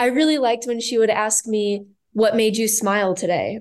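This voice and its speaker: This woman has an unremarkable speaking voice and a fairly high pitch. She talks at a moderate pace against a quiet background. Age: young. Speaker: author, eating disorder recovery. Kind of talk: interview conversation.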